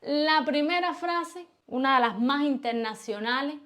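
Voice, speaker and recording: A woman's voice: high-pitched, a little hiss or hum. A young woman with a Cuban accent, vlogging from home in a playful, teasing way. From Cuba. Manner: playful, fast, teasing, lively. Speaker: YouTuber. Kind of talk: casual vlog to camera.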